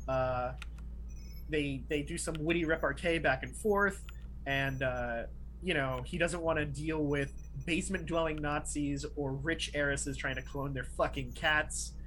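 A man's voice: fairly high pitch, measured pace, fairly bright tone. A man co-hosting a podcast in casual chat, talkative with frequent fillers like "like" and "right?". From Miami, family from Peru. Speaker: podcast co-host. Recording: faint background noise.

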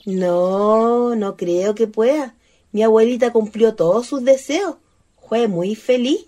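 A woman's voice: fairly high pitch, slow pace, warm tone. An actress playing a shy, naive, wistful female ghost in a radio play, with a Chilean accent and a hesitant, girlish manner.

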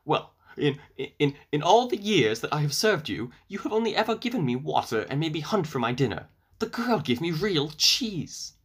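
A man's voice: on the high side, very animated, normal speed, husky, pitched above the performer's own voice. A man voicing a thin black cat in a storybook, a resentful servant of a witch. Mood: aggrieved.

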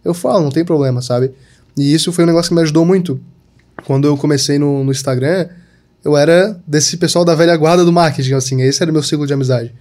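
This podcast guest, a young digital marketer from Santa Catarina, Brazil, has a fairly high, slightly mellow voice and talks fast. His casual chat is full of fillers such as "tipo" and "sabe."

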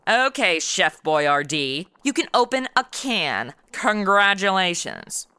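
A woman's voice: medium pitch, sing-song, slow pace, pushed and bright, clear, resonant tone, dry recording, heavily acted. A woman playing a flippant, slangy twenty-something in a comedic audio drama, exasperated and sassy. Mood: exasperated, ranting. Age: 20s. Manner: flippant, slangy, exasperated, valley-girl phrasing. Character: sassy modern twenty-something woman stuck in old radio noir.

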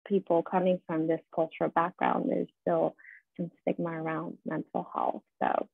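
A woman's voice: lowish voice, little pitch movement, moderate pace, vocal fry, husky, no room sound. A woman in her thirties from Iran with a Persian accent, answering conversationally as a therapist guest on a podcast. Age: 30s. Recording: thin phone-like sound.

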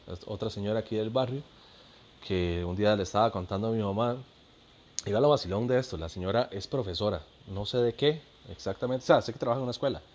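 A man's voice: fairly low pitch, darkish tone, lo-fi sound. A Costa Rican man in his thirties, a comedian telling funny stories in a chatty, slangy monologue with laughs. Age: 30s. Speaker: comedian and podcast host. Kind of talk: casual storytelling monologue.

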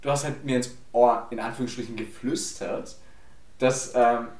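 A young man, drunk and queasy, chats casually and teases his friend with stories, laughing as he talks. He sits a bit back from the mic in an echoey room, and his voice sounds middling in pitch. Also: fairly even intonation, moderate pace, a little mellow. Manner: laughs while telling stories, teasing. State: drunk and nauseous. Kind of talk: casual chat. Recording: roomy, mic at a distance.

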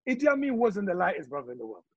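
Passionate high-voiced man from Congo. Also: racing, dull audio. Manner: passionate, animated storyteller. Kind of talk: casual chat.

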